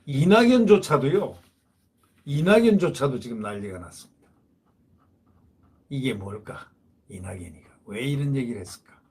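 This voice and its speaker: A man's voice: medium pitch, expressive, normal speed, pauses often, a little mellow, slightly rough. A man giving solo political commentary, talking emphatically and repeating phrases to drive his points home.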